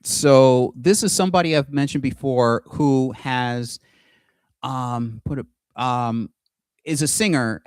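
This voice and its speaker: A middle-aged man talking to camera in a casual monologue, halting often with restarts and pauses while he shares his screen. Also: mid-range voice, a little mellow, no echo, clean studio sound. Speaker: aspiring singer and video host. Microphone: computer mic with screen sharing.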